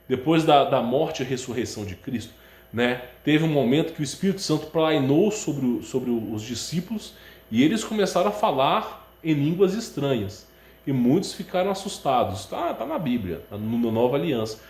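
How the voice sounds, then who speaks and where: A man with a Brazilian Portuguese accent hosts a channel and answers viewer questions in a casual, rambling way, often stopping to check with a quick "tá?". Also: fairly high pitch, roomy sound. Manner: rambling, restarts words, ends phrases with a checking "tá?". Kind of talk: casual religious talk.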